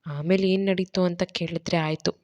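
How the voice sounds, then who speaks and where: A quiet, considerate young man, as a woman narrator puts him on, speaking in a soft, hushed, thoughtful way. His voice sits slightly low in an audio love story. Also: little pitch movement, unhurried, vocal fry. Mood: gentle.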